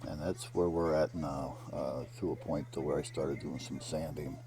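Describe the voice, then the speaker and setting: A man's voice: a bass voice, steady tone, normal speed. A man giving a casual, rambling voice-over that explains a hands-on DIY repair step by step in a plain-spoken, matter-of-fact way. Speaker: hobbyist narrating a repair project.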